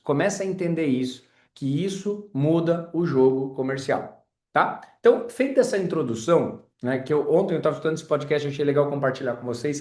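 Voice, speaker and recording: Male sales trainer, high-pitched and chatty, informal class in a reverberant room. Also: darkish tone. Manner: chatty, tells personal stories, addresses audience as "gente".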